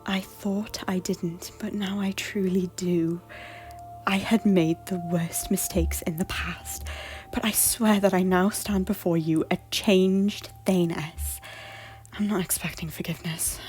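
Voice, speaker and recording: A woman playing a guilt-ridden noblewoman in an audio drama, pleading earnestly in formal, theatrical phrases with a breathy, husky voice. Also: fairly low pitch, fairly even intonation, unhurried, darkish tone, faint music behind. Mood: remorseful confession. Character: guilt-ridden, repentant noblewoman and former schemer, earnestly hopeful. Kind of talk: audio drama acting of a Shakespeare-style story.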